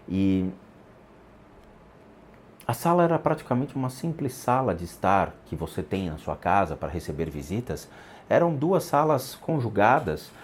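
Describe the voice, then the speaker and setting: A man in his forties telling a personal story in an unhurried, reflective way, with pauses and restarts. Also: sits low, a little hiss or hum. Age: 40s. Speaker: vlogger. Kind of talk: storytelling vlog about a haunted childhood house.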